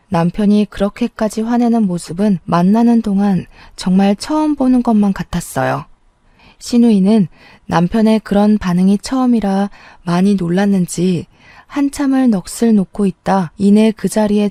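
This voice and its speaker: A woman narrating a personal story in a calm, sometimes sarcastic scripted reading. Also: mid-range voice, no room sound, studio quality.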